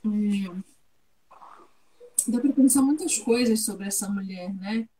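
A woman's voice: mid-range voice, takes it slowly, dark tone, breathy edge. A woman, co-hosting a casual devotional chat and explaining scripture in a thoughtful way. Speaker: co-host of a Bible discussion.

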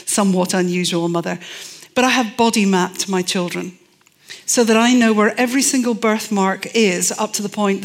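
Scottish woman giving a wry public talk. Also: medium pitch. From Scotland. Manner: storytelling, dry humor, emphatic. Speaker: forensic anthropologist.

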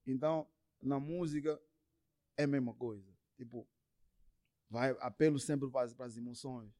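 A man speaking as a musician guest in a casual interview, haltingly, repeating phrases and dropping in English slang. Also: mid-range voice, dark tone, no echo, clean studio sound.

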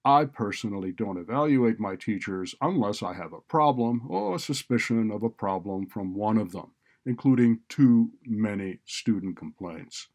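Man acting college dean, loud, exasperated, callous, sarcastic, storybook dialogue. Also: fairly low pitch, expressive, normal speed. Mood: dismissive, weary. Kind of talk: audiobook character dialogue.

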